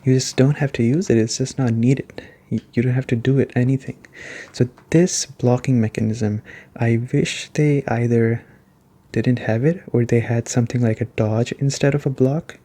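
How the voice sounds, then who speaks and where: A soft-spoken man with a dark, relaxed tone and a mid-range voice reviews a video game in ASMR style. He talks conversationally, circling back over his points to stress them. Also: medium pitch, normal speed.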